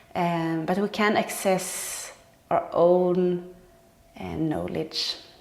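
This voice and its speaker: Audible room echo surrounds a woman with a Swedish accent who speaks very slowly at a fairly low pitch in a monotone, flat intonation. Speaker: yoga teacher. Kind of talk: vlog talk to camera. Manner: hesitant, many fillers.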